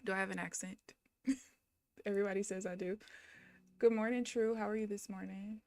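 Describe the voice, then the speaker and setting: In a dry recording, a young woman from Missouri casually comments on her live trades, addressing viewers and often laughing. Her mid-range voice is creaky with a darkish tone, fairly even intonation and a moderate pace.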